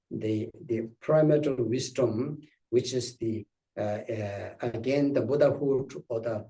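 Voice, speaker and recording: A man giving a Buddhist teaching, halting and searching for words as he explains. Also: medium pitch, warm tone. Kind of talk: dharma teaching. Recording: distant from the mic.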